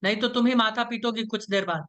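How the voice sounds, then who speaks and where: A man's voice: high-pitched, quick pace, pushed and bright. A man teaching an online class, explaining step by step in a playful, teasing way and often checking that students follow. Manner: playful, teasing, keeps asking "right?".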